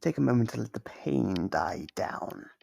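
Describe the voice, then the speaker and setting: A man's voice: lowish voice, animated, moderate pace, a little mellow, slight background noise. A man voicing a sadistic, playful monster holding human prey captive, menacing and theatrical as he muses aloud in an ASMR horror roleplay. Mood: musing, pleased. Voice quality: gravelly, husky.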